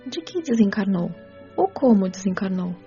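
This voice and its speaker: A woman's voice: mid-range voice, big pitch swings, normal speed, mellow. A woman playing a friendly young female spirit in an audiobook radio drama. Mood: gentle, matter-of-fact. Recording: muffled lo-fi audio with music.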